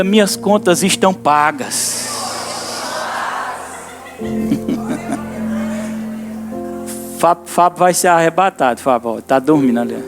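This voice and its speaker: A man preaching a lively live sermon in a church and calling out to the congregation. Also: a little high. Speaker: pastor. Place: church service. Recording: sermon with instrument music behind.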